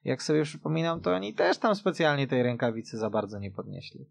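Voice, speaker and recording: Guy hosting a football chat on radio, medium pitch, dry studio sound. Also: big pitch swings, fairly quick, vocal fry, no room sound. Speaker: radio host moderating a football discussion. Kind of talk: casual sports radio discussion.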